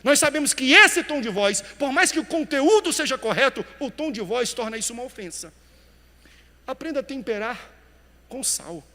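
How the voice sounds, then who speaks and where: A male pastor preaching a sermon with animated emphasis, dropping quiet and then rising loud. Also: very high-pitched, normal speed, long reverb tail.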